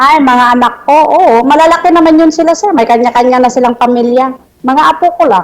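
A woman's high-pitched voice at a fairly quick pace, with lively intonation and very even loudness. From Sarangani, Mindanao, Philippines. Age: 40s. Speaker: overseas Filipino worker, dating show participant. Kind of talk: casual chat.

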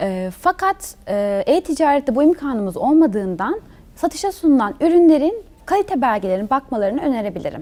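Over music in the background, a woman talks at a fairly quick pace with very wide pitch swings. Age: 20s. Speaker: textile brand founder and designer. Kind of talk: interview. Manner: hesitant with filler sounds.

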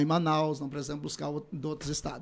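This man's voice carries vocal fry. He talks at a very fast pace. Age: 50s. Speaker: politician and pastor; candidate. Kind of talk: radio interview. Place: studio. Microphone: studio mic.

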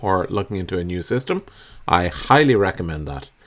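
A man speaks at a moderate pace with lively intonation against a quiet background. It is an ordinary speaking voice. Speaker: game hobby vlogger. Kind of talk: casual vlog chat. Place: home room. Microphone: webcam.

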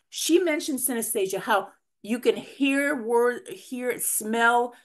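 Speaking at a fairly slow pace over a quiet background, a woman with an American accent has a fairly high pitch and lively intonation. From USSR, came to US as a child refugee. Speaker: author. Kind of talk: interview. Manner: animated, talkative. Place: home room. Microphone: video call.

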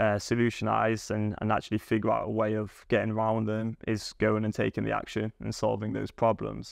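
A man with an English accent at a moderate pace, dry sound with no echo, quiet background. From England. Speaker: life coach. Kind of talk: educational monologue. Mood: calm, earnest, reflective.

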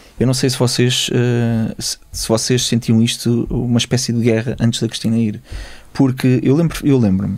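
Over a quiet background, a man speaks at medium pitch. His moderate pace pairs with fairly even intonation. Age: 40s. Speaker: actor and TV presenter; podcast guest. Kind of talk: casual chat. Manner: halting. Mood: relaxed, reflective. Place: studio. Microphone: studio mic.

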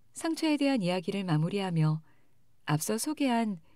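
A woman speaks at a medium pitch with very wide pitch swings and a somewhat breathy voice. Her tone is soothing, dark and mellow. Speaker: audiobook reader. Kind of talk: guided meditation. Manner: soft, slow, soothing and comforting.

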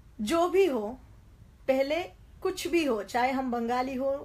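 Her pitch is high for a woman. She speaks at a fairly slow pace. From India, Gorkha community; India. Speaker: beauty pageant titleholder. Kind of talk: video statement. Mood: indignant, earnest. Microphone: phone near.

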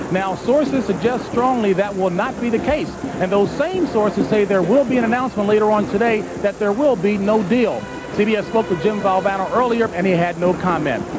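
Over clear music in the background, a man talks at a fairly quick pace with ordinary pitch variation in a dry sound with no echo. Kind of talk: commentary. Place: stadium. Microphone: handheld.

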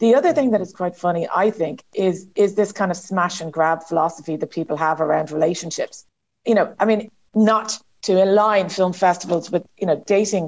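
This woman speaks with a Dublin accent at a medium pitch. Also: ordinary pitch variation, moderate pace. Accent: Irish (Dublin). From Ireland. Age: 50s. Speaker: film festival director. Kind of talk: interview conversation.

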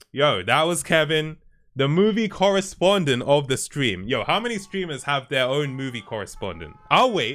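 A man speaks with fairly high pitch. His voice makes big pitch swings. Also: moderate pace, fairly bright tone.

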